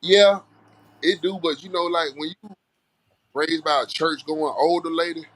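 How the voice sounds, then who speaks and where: Southern Black American man, higher-pitched voice. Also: unhurried, a bit bright, rough recording. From Alabama, US South. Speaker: music artist guest. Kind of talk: casual interview talk.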